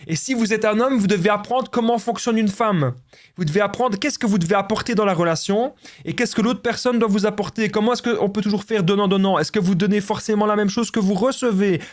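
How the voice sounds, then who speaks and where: A man's voice: sits high, a little fast. A man with a Belgian French accent, a relationship coach speaking straight to his viewers in an emphatic, repetitive way and calling them friends. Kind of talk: direct-to-camera advice monologue.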